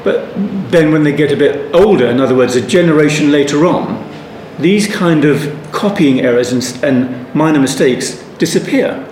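A Bible teacher with a slightly high, slightly mellow voice talks at normal speed, barely pausing. His unscripted Bible study rambles thoughtfully, with many restarts and asides, and the echoey room carries faint ambient noise.

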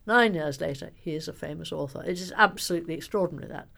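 An older woman, an author answering questions in a relaxed interview, telling stories with emphatic energy and frequent ums. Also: deep voice, fast, creaky. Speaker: biographer and author being interviewed. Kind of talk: conversational interview.

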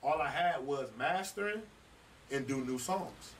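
A man's voice: fairly high pitch, lively intonation, measured pace, far from the mic, a little hiss or hum, rough recording. A man, a recording artist, telling a casual story in conversation in a loose, slangy way with many restarts.

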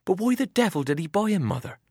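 A man reading aloud and voicing an eager, gentle teenage farm boy in a higher, lively voice. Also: slightly rough, no echo, clean studio sound, heavily acted. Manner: quick, eager, pleading.

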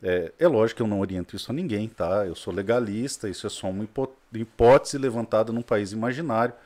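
A man with a Brazilian Portuguese accent, talking in a casual chat as a guest, blunt and swearing freely while telling animated stories. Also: lowish voice, fast.

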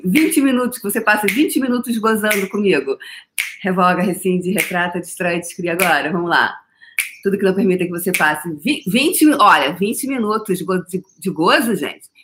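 A woman from Brazil hosts a live stream workshop in an animated, playful voice. She laughs often and drifts into repeated, chant-like phrases between loose, chatty stretches. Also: medium pitch, moderate pace, noisy background. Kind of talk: casual spiritual coaching live stream.

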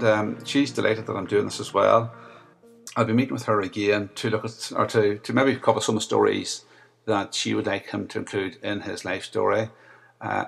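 A man with a Northern Irish accent and a deep, rough voice, leaving a hesitant recorded message for a podcast host with many fillers. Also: a bit bright. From Northern Ireland. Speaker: listener sending in a voice message.

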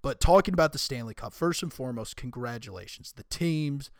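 A young man hosting a casual solo podcast, his voice raspy and hoarse, talking in an opinionated, emphatic way. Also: mid-range voice, expressive, a little fast, no room sound, clean studio sound. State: hoarse from screaming and illness. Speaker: podcast host.

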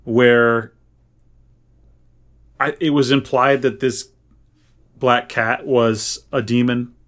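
A man co-hosts a podcast, chatting casually in a rambling, opinionated, conversational manner. His medium-pitched voice is steady and fairly bright, and he speaks slowly.

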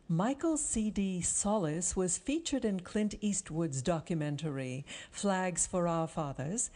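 A woman hosting an interview show, speaking in a measured, articulate presenter's manner. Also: on the low side, mellow. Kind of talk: scripted introduction and interview.

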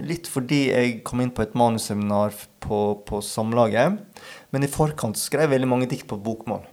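A man, an author and podcast guest, speaking in a thoughtful, halting way and often searching for his words. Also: mid-range voice, gravelly, darkish tone, smooth. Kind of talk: reflective interview talk.

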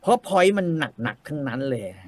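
A man's voice: on the high side, lively intonation, fast talker. A middle-aged man in casual chat about novels and cartoons, blunt and salty, with coarse slang.

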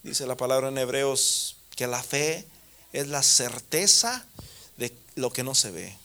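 A male preacher, giving a fervent sermon that rises to loud emphatic peaks. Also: mid-range voice, lively intonation, slow pace.

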